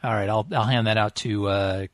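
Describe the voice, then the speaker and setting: A man's voice: lowish voice, fairly even intonation, moderate pace, no room sound. A man playing a tabletop game, talking wryly through his moves as he goes. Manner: wry, talks through his moves aloud. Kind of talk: casual tabletop game chat.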